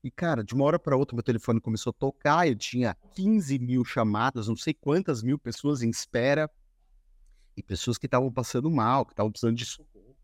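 A man speaking as a podcast guest, easygoing and chatty, stumbling over his words and starting again as he tells his stories. His voice sits at a middle pitch for a man and comes across dry and close to the mic. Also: fairly quick, no echo. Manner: relaxed storytelling with many restarts and filler. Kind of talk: casual conversation.

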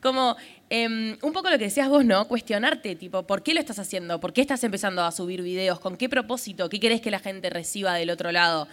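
A woman's voice: mid-range voice, a little fast, a bit bright. A woman with a Rioplatense accent hosting a live podcast on a festival stage, talking in a rambling way full of fillers. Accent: Rioplatense Spanish. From Argentina. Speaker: podcast host.

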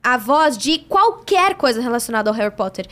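A woman with a Brazilian Portuguese accent, a voice actress who is the guest in a casual podcast interview. She tells stories in a lively way and acts out what other people said. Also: on the high side, fairly quick.

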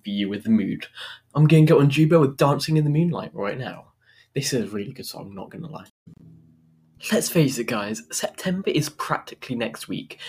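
Husky chatty British male radio DJ. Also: mid-range voice. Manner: chatty, informal, addressing listeners directly. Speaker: radio DJ and show host. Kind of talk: upbeat music radio presenting between songs.

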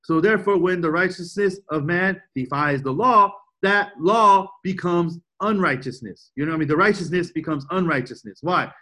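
Male pastor, high voice, emphatic preacher who repeats key points. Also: moderate pace, hardly any pauses, sharp tone. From United States. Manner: emphatic, repeats points, asks the audience questions. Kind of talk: sermon.

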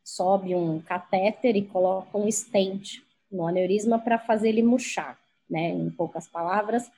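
A woman's voice: medium pitch, steady tone, unhurried, mellow, slightly rough. A woman telling a personal story frankly and with animation in a casual conversation, swearing freely. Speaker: guest.

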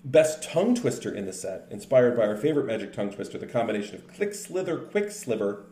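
A man co-hosting a podcast, chatting casually and explaining things in a relaxed way. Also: medium pitch. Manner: relaxed, explanatory, says card names in quick lists. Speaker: podcast co-host. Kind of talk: casual chat about card games. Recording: echoey room with faint noise.

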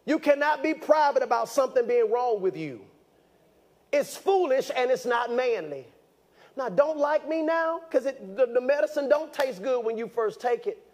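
Fervent male preacher with a very high-pitched voice. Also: animated, normal speed, darkish tone. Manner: exhorting, repeats phrases for emphasis; fervent, insistent. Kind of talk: sermon to a congregation.

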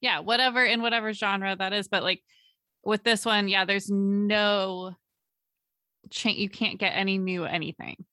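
A woman in her late twenties chats on a podcast with a bright, forceful voice. She laughs easily and lets sentences trail off, recorded close and dry with no room sound. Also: medium pitch, fairly even intonation, a little slow, dry recording. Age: late 20s. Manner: chatty, laughs often, trails off mid-sentence. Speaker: podcast co-host. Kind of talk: casual podcast chat.

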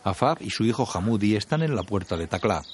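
A man reading scripted audio description of a film in a calm, neutral way. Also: on the low side, fast. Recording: narration over noisy film soundtrack with crowd.

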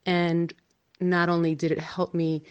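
A woman from New York with a notably low voice tells her personal story. She speaks in an earnest, measured way, as if reading a prepared account. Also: level tone, clean tone, muffled recording. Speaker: podcast guest. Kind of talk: personal storytelling, read aloud.

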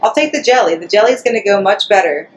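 A woman guest talks in a casual chat, witty and quick to argue her side. Her voice sits at a middling pitch. Faint background noise hums underneath. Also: expressive. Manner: witty, argumentative, quick comebacks. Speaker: interview guest.

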